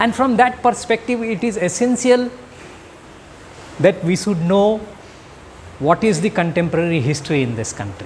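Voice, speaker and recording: A man with a Bihari accent and a high pitch talks at a moderate pace with lively intonation and long, frequent pauses over noticeable background noise. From India, Bihar (Patna). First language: Magahi. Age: 40s. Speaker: activist speaker. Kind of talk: public speech.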